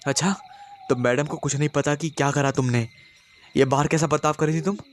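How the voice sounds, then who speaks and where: An impatient young husband scolds his wife, exasperated and quick with his questions. A man plays him close to his own narrating voice. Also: a little high, slight background noise, lightly acted.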